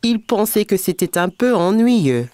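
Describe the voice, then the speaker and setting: A woman with a mid-range, slightly dark voice narrates a children's cartoon like a storybook reader, her sing-song delivery a little slow. She tells the story of a small boy's everyday adventures.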